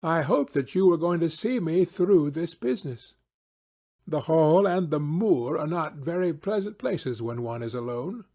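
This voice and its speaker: A man voicing a proud, anxious gentleman baronet in an audiobook, formal and a little plaintive. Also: on the high side, lively intonation, unhurried. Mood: hurt, reluctant. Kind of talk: audiobook character acting.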